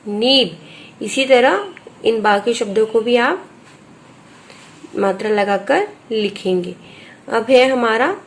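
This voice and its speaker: Very slow, patient woman teacher. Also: on the high side. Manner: patient, spells out each letter and vowel sign one at a time. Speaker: primary school teacher. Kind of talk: slow Hindi phonics lesson for young children.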